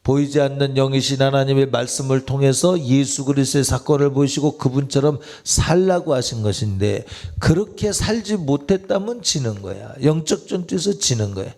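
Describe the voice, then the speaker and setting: In a church sanctuary, a pastor preaches a sermon in a conversational style, putting direct questions to his listeners. His medium-pitched, darkish voice has lively intonation and runs at a normal speed with few pauses.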